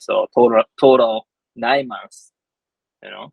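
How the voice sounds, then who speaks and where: In a Japanese accent, a man speaks at a medium pitch with a dry, close sound and no echo. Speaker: soccer team manager. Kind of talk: casual interview chat. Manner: halting, many fillers and repeats.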